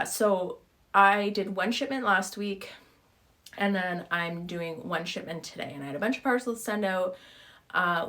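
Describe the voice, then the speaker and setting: Female vlogger, mid-range voice, a bit hoarse with a sore throat, chatty and exasperated, acting out reactions. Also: mid-range voice. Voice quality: slightly hoarse. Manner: animated, exasperated storytelling with acted-out reactions. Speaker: YouTube host and online reseller. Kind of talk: casual vlog rant.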